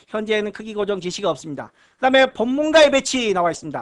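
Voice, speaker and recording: The speech runs at a very fast pace in a very clean recording with a silent background. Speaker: computer certification instructor. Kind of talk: lecture tutorial. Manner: frequent filler 자.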